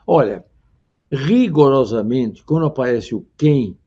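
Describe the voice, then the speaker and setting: A man's voice: mid-range voice, lively intonation, dark tone, slightly rough. Older man lecturing, dramatic verse reading. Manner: dramatic, recites verse slowly with emphasis. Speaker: teacher. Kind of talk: lecture on grammar and poetry. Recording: dull lo-fi lecture recording.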